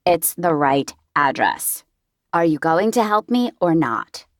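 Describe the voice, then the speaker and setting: A woman's voice: sits low, very animated, takes it slowly, dry recording, studio quality, heavily acted. A woman voicing a pushy, impatient teenage girl, brusque and insistent, in an audiobook reading.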